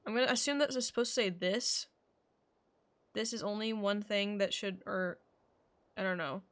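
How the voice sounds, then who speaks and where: A woman's voice: mid-range voice, moderate pace, a bit bright. A woman game streamer giving casual live commentary, chatty and exclaiming, talking back to the characters. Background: game music.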